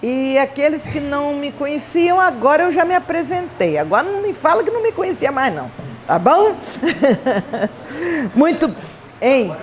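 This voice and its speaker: A Brazilian woman giving a Spiritist conference talk, telling personal stories in an animated, chatty way with playful asides. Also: high-pitched, moderate pace, slight background noise. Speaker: Spiritist speaker. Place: event hall.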